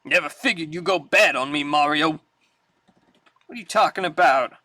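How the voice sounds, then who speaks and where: A man's voice: a little high, moderate pace, pushed and bright, no room sound. A man voicing a blunt, tough male mercenary in a read-aloud comic, speaking with street-tough bluntness. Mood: angry.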